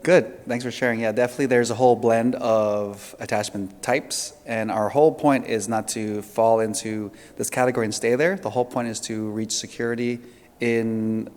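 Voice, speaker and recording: A man's voice: fairly low pitch, steady tone, normal speed, darkish tone. Conversational man presenting in a hall. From Indonesia. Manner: conversational, frequent fillers and restarts. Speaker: seminar presenter. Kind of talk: conference seminar talk with audience questions.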